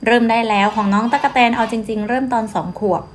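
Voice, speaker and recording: A woman's voice: a little high, steady tone, quick pace, a little hiss or hum. A woman chatting patiently and politely to her viewers from a car. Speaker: vlogger. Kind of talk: casual chat to camera.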